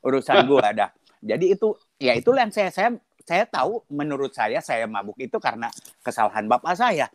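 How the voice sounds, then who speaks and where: A middle-aged man telling his conversion story in an animated, storytelling way, slipping into English now and then. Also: medium pitch, a little fast, no echo, clean studio sound. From Indonesia (Sundanese). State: coughing. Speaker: testimony guest. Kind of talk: personal testimony.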